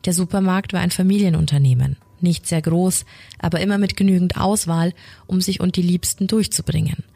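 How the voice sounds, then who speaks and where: A woman co-host reading a horror story aloud in a slow, dramatic storytelling manner. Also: lowish voice, fairly even intonation, creaky, dark tone, dry recording. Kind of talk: scripted narration.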